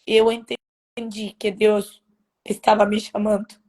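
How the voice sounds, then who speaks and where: A woman telling her personal faith testimony in a halting, emotional way, with many restarts. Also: mid-range voice, little pitch movement, a little mellow. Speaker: testimony speaker.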